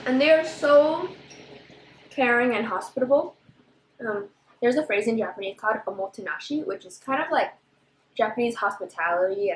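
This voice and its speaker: A young woman with a slightly high voice chats through an eating vlog, bubbly and talkative, peppering her sentences with "like". She is recorded on a camera mic in a room at home with a noticeable echo. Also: a little hiss or hum. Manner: bubbly, chatty, says "like" often. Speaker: vlogger. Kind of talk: casual eating vlog chat. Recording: echoey room.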